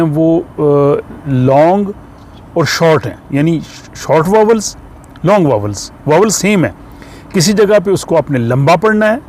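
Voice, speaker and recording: A man teaching a language lesson, explaining slowly and patiently with frequent pauses and fillers. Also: on the high side, darkish tone, slight background noise. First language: Urdu.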